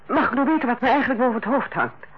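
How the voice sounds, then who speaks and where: A woman's voice: on the high side, expressive, very fast, breathy edge. An actress in a Dutch radio play as a proud, rigid female head nurse, easily wounded and irritable, speaking in clipped, formal phrases. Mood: stiff, impatient. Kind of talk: Dutch radio drama acting. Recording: dull, noisy old radio recording.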